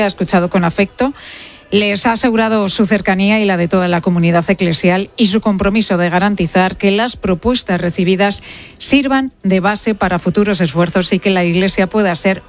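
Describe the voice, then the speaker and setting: Woman anchoring live tv coverage, steady deliberate reading. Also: mid-range voice. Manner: measured, reads breaking news deliberately. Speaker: news anchor. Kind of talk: live broadcast commentary.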